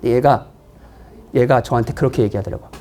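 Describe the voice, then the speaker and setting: A male pastor gives a sermon at a church's afternoon service, addressing the congregation conversationally and gently teasing them. His high-pitched voice rises and falls with lively expression, and he talks a little fast.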